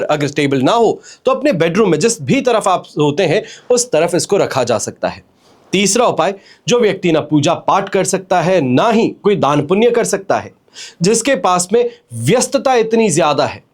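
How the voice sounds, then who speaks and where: Animated male astrologer, earnest advice. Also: on the high side. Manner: measured, earnest advice with slow chanted mantras. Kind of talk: scripted astrology video address.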